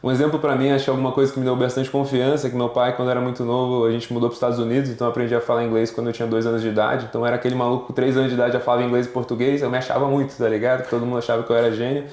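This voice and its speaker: A man hosting a podcast, chatting in a slangy, chummy way and firing off quick questions. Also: medium pitch, flat delivery, a little mellow. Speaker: podcast host. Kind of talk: casual interview chat. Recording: echoey room.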